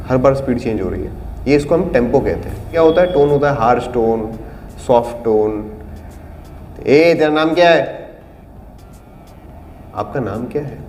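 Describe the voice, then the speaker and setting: A man leads an acting lesson in a studio, talking students through scripts at an even, middle pitch. He explains patiently and acts out sample lines himself, and his voice carries a long reverberant tail from the room. A faint hum of background noise sits underneath. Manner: explains patiently, demonstrates lines with shifting volume and tone. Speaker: acting teacher. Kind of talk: acting class instruction.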